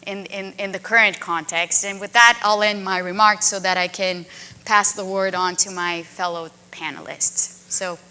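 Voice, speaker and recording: Woman, panel moderator, from Brazil, bright forceful tone, measured remarks. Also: medium pitch, steady tone, smooth.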